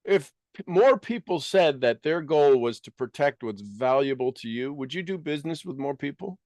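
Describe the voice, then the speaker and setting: A man speaking as a business coach in a motivational talk, asking rhetorical questions and repeating phrases emphatically with deliberate pauses. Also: a little high, expressive, darkish tone, dry recording.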